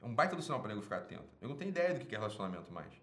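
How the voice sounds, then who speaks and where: Fast-talking, blunt Brazilian man in an echoey room. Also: on the low side, big pitch swings, a bit bright. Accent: Brazilian Portuguese. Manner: blunt, swears often, emphatic. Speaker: advice show host answering a listener. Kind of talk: casual monologue reading and answering a listener email.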